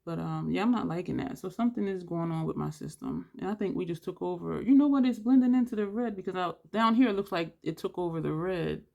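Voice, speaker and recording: Vlogger, mid-pitch with a gravelly edge, congested-sounding, chatty makeup tutorial delivery with audible breaths. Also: lively intonation, fast, few pauses, a little mellow, muffled recording. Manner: rambling, thinks aloud while working; audible breathing between phrases. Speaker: beauty vlogger. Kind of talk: casual makeup tutorial chat.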